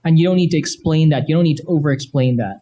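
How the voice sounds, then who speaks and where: Male panel guest, conversational and emphatic, soft-edged tone, light event noise behind. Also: a little high, fast talker. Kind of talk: casual panel discussion. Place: live comic convention panel before an audience. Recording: live event, background noise.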